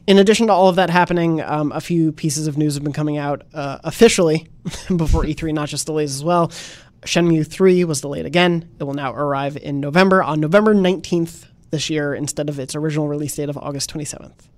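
A man hosting a casual gaming podcast panel, talking in a relaxed, rambling way with plenty of fillers. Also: a little high, quick pace, hardly any pauses, no room sound. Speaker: podcast host.

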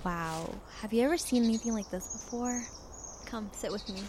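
A woman's voice: a little high, moderate pace, a little mellow, slight background noise, close to an everyday voice. Actress as easygoing outdoorsy woman amid birdsong. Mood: awed, tender. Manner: casual, playful. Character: Naki, keen, easygoing woman hiker, playful and reassuring. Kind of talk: naturalistic audio drama dialogue. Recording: clear outdoor birdsong and nature ambience.

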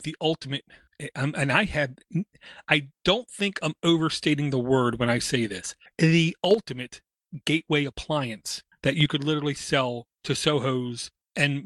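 A man's voice: a little high, moderate pace, a bit bright, dry recording, studio quality. A man talking casually about hardware as a podcast co-host, enthusiastic and fond of homespun comparisons. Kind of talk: casual tech chat.

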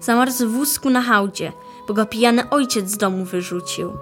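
A woman's voice: a little high, normal speed, music in the background, lightly acted. A young female performer playing an earnest poor child from a mining town in a radio play, reciting plainly. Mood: sorrowful.

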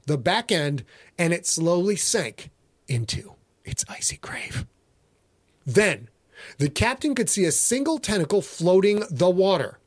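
A middle-aged American author narrates his own story in a theatrical, mock-serious dramatic reading. His voice is a bit high, and there is no echo.

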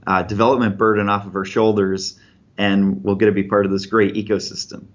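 A man answering interview questions as a researcher, explaining his work in a clear, methodical way. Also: on the low side, level tone, brisk, lo-fi sound. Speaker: researcher guest.

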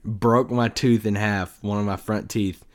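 A man co-hosting in casual sports podcast banter, his voice hoarse and giving out because he is sick. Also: lowish voice, fairly even intonation, measured pace. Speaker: podcast co-host.

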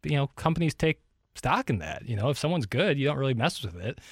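A man's voice: mid-range voice, big pitch swings, slightly rough, no room sound, clean studio sound. A man co-hosting a sports talk show, chatting casually and agreeably and asking the questions. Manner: quick, agreeable, asks the questions. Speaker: sports radio co-host.

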